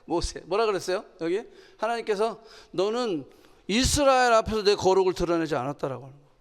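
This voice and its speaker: A woman's voice: medium pitch, a little fast. A woman pastor giving a sermon, questioning her congregation and acting out quotes with energy. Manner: animated, asks the congregation questions and acts out quotes. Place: church sanctuary. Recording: long hall reverb.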